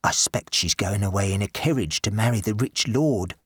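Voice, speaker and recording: A man's voice: on the low side, moderate pace, husky, dry recording, studio quality. A man voicing a poor young boy from the back streets, offering a tentative guess, in a storybook reading. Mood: dreamy.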